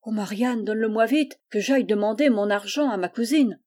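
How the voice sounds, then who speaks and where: A woman's voice: on the high side, fairly quick, darkish tone, lightly acted. A woman voicing a hot-tempered but tender-hearted orphan boy in a storybook reading, earnest and emotional.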